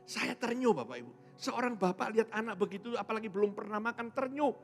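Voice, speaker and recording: An Indonesian pastor shares his testimony in a sermon, swinging between loud and soft and acting out other people's voices. His voice is high and he talks fast, with faint music in the background.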